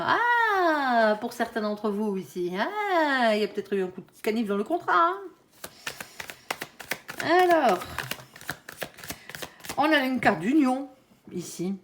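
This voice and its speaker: A woman with a Southern French accent talks through a tarot reading in a loose, chatty way. She peppers her sentences with small tag words and chuckles at her own jokes. Her voice sits a little high and swings widely in pitch. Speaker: tarot reader. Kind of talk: casual astrology tarot reading.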